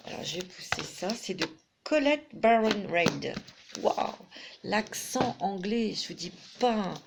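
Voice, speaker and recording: A woman's voice: medium pitch, unhurried, vocal fry, background noise. A middle-aged woman giving a chatty tarot reading to camera, full of fillers and restarts. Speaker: tarot reader.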